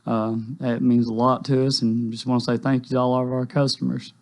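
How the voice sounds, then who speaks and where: A man's voice: mid-range voice, flat delivery, fairly quick, darkish tone. A man, a rental store guest on a radio interview, answering politely and eagerly. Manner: polite, eager, says "yes, sir".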